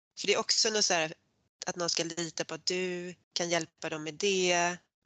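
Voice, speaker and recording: A woman talks at a fairly quick pace in a bright, sharp tone. The sound is dry and close with no echo, over a quiet background. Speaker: podcast host, entrepreneur. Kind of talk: casual interview. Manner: enthusiastic.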